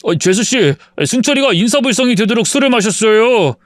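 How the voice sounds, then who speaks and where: A man's voice: sits high, expressive, a little fast, no echo, pitched above the performer's own voice. A man voicing a polite friend of the husband on the phone. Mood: apologetic.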